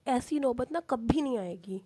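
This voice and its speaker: A woman's voice: on the high side, expressive, measured pace, warm tone, husky. A woman doing a bossy, teasing young woman. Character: confident teasing young woman, strict and sharp.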